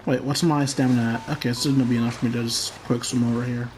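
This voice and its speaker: A man's voice: medium pitch, flat delivery, fast talker, a little mellow, soft background music, low-quality recording. A young man talking through his gameplay, chatty and self-mocking, swearing when frustrated. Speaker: gamer. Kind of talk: let's-play commentary.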